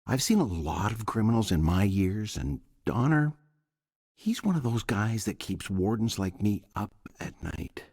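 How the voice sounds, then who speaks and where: Weary, grave prison warden for a game, older, low gravelly voice, ominous delivery. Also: male voice, lively intonation, measured pace, darkish tone, heavily acted. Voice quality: gravelly, husky. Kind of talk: dramatic game cutscene acting.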